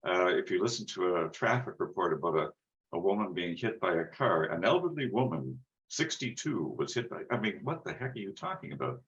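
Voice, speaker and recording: A man's voice: low voice, lively intonation, brisk, a bit bright. A man on an online panel conversation, musing aloud with rhetorical asides. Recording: muffled video-call audio.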